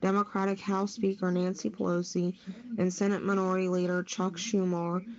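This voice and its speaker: A woman's voice: lowish voice, little pitch movement, moderate pace, lo-fi sound. A woman co-hosting a talk show, reading a news story aloud. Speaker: show co-host.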